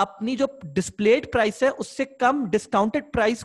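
A man talks with ordinary pitch variation. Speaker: online course instructor. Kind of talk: lecture. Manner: casual, code-switching with English.

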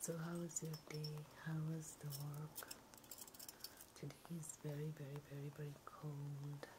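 Whispering and soft-spoken, the voice moves at a fairly slow pace over noticeable background noise. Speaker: ASMR creator. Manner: soft intimate ASMR whisper.

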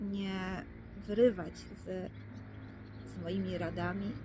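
A woman talks very slowly, and noticeable background noise can be heard. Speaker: mother. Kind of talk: intimate personal talk to listeners. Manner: whispered, soft-spoken.

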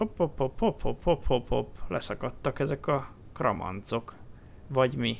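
A man speaks at a fairly slow pace, his loudness staying very even throughout. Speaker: gaming video creator. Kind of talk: let's play commentary.

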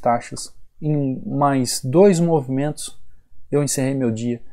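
Very slowly, the speaker talks in a dark, mellow tone. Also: man. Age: 40s. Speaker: trading instructor. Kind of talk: tutorial.

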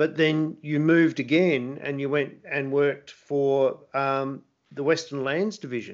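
Fairly slow and fairly even in intonation, a man speaks in a fairly high pitch with an Australian accent. The background is quiet. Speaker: farming channel host. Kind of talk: interview. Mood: calm, engaged. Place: home room. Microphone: headset.

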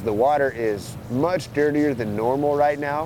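A man's voice with ordinary pitch variation, noticeable background noise, and a dry sound with no echo. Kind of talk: interview answer. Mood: relaxed, upbeat. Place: hall.

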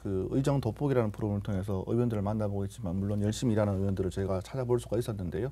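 This man's voice is fairly low in pitch with a dark, mellow tone. He speaks very fast with ordinary pitch variation. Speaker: news talk show host. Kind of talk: news talk show. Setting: studio. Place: studio.

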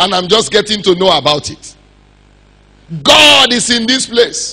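This man talks in a raised voice. He projects it outward. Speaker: preacher. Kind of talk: sermon. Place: church. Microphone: handheld.

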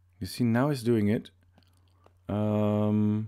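Heard in a very clean recording with a silent background, a man speaks with a German accent. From Germany. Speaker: gaming YouTuber. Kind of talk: let's play commentary. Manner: halting.

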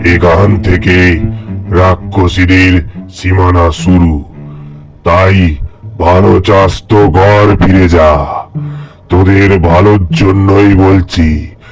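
In a cartoonish character voice, a man speaks at a very slow pace with a very deep, low pitch and monotone, flat intonation while faint music plays in the background. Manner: harsh, commanding.

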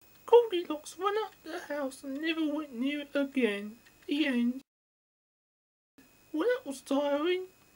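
Here is a high-pitched cartoonish character voice at a moderate pace. It leaves long, frequent pauses. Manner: sarcastic, grumbling, weary.

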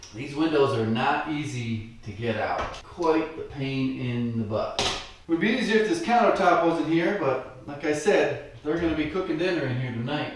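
A man talks with hardly any pauses. The room echoes strongly, and there is light background noise. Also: moderate pace. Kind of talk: tutorial. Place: kitchen. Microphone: camera far.

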